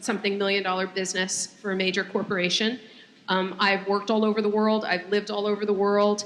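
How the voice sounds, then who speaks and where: A woman's medium-pitched voice with an American accent, monotone and flat in intonation. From New York (Bronx, upstate). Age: 40s. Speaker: entrepreneur and speaker. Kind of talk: interview.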